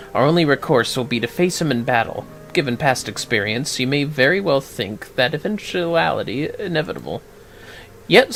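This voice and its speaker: Man putting on an animated, earnest fantasy leader. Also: fairly high pitch. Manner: theatrical, archaic, deliberate. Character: earnest, formal fantasy leader briefing adventurers. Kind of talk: reading game dialogue aloud.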